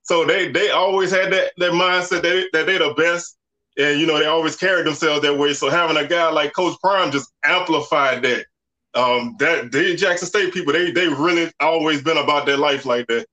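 Bright-voiced man in his forties. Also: a little high, moderate pace, low-quality recording. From Southern United States. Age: 40s. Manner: relaxed, conversational, lots of "you know" and "man". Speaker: podcast guest. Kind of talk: casual sports talk.

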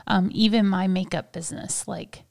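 A woman co-hosts a casual podcast on a studio mic, with a fry running through her voice. She talks quietly and relaxed, at an easy mid pitch. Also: moderate pace. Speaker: podcast co-host.

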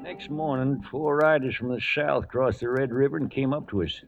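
An actor playing a loyal, plain-spoken old trail hand who narrates and acts in a western radio drama. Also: male voice, mid-range voice, normal speed, gravelly, dull audio, over loud music, lightly acted. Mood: somber storytelling. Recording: noisy vintage radio recording.

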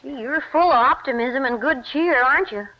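A woman's voice: high voice, normal speed, a little hiss or hum, lightly acted. An actress playing a spirited young woman teasing her sweetheart in a 1940s radio play. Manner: teasing and warm. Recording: muffled old radio recording.

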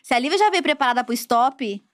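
A woman's voice: high voice, lively intonation, brisk. A woman hosting a podcast, chatting casually and laughing as she runs a word game with her guests. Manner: bubbly, laughs often, announces game categories. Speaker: podcast host. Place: studio.

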